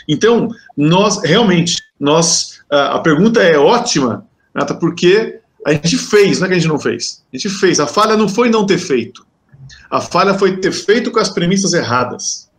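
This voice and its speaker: Hesitant Brazilian man explaining at length. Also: fairly high pitch. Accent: Brazilian Portuguese. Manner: hesitant, many restarts. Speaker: guest executive. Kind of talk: conversational explanation.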